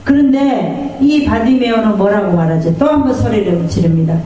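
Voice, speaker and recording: A woman's voice: mid-range voice, expressive, moderate pace, dark tone, a little hiss or hum. A woman pastor preaching a sermon, drawing amens from the congregation and acting out the voices she quotes. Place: church sanctuary. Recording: echoey church hall from far off.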